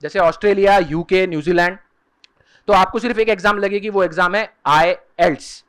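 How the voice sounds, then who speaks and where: A man with a fairly high voice lectures a seminar audience on study options. He explains step by step, slowing down to spell out and repeat the key terms. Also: fairly bright tone, clean tone. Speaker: career guidance speaker. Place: seminar hall.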